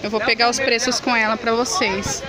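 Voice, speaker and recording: A woman's voice: a little high, steady tone, fairly quick. Chatty young Brazilian woman vlogger. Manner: chatty, enthusiastic, addresses viewers as "gente". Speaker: shopping vlogger. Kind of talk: casual vlog, showing products. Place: indoors at a busy market shop. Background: crowd chatter.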